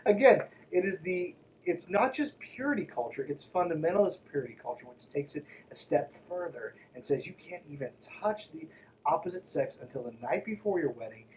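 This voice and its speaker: Higher-voiced sarcastic man, a bit off-mic. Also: very animated, a little fast, darkish tone, far from the mic, a little hiss or hum, poor audio. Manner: mocking, irreverent, conversational. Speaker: podcast host. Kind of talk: reading a book aloud with sarcastic asides.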